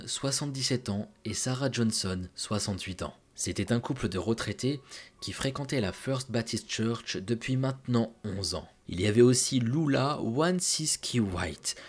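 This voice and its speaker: A man with a low, husky voice tells a true crime story to his viewers. He keeps it conversational and drops in light joking asides between the facts. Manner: chatty, addresses viewers directly with joking asides. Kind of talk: casual true crime narration.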